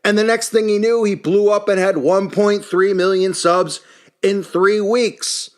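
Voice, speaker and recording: Man, high pitch, indignant, emphatic, opinionated rant, commentary channel host. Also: fairly even intonation, measured pace.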